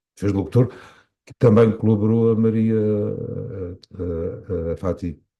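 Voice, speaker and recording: Over a quiet background, a man talks at a very slow pace in a fairly low pitch, his dark, mellow tone carrying fairly even intonation while his loudness swings widely. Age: 70s. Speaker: veteran radio broadcaster and journalist. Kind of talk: casual chat. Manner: halting.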